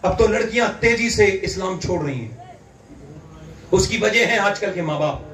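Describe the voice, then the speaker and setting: A man from India preaching an impassioned sermon, fervent and building to loud emphatic peaks. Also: sits high, lively intonation. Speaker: Islamic preacher. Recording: echoey hall, distant mic, faint ambience.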